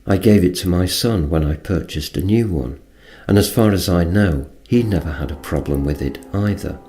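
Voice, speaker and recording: A man's voice: sits low, moderate pace, dark tone. A man reading a first-person account aloud as scripted narration. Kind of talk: scripted audiobook-style narration.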